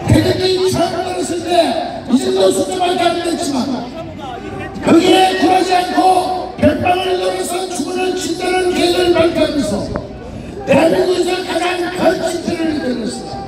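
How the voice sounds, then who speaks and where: A man giving an impassioned political rally speech as its leader, shouting in an emphatic, declamatory way. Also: extremely high pitch, normal speed. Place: outdoor street rally in front of a detention center. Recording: echoing loudspeaker outdoors, distant, crowd and music. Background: crowd and music.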